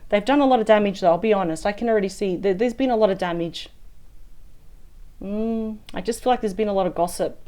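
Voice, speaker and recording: Husky-voiced woman reading tarot cards. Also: mid-range voice, fast talker, dark tone. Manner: chatty and thinking aloud, often adds "right?". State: husky, weak voice from a sore throat. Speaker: tarot reader. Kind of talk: weekly tarot card reading.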